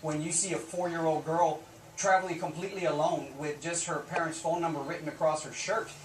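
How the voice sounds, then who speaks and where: A man's voice: a little high, fairly even intonation, fairly quick. A man speaking as a Border Patrol officer in a news interview, making his case in an earnest, insistent, plain-spoken way. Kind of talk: live news interview answers. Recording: roomy echo, distant mic, faint noise.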